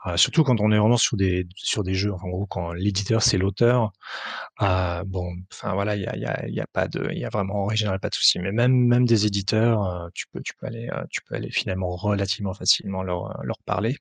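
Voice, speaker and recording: A man's voice: on the low side, fairly even intonation, fast, vocal fry, dry recording. A man answering interview questions about his tabletop game work, hesitant, with frequent fillers and restarts. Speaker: tabletop RPG author, translator and publisher.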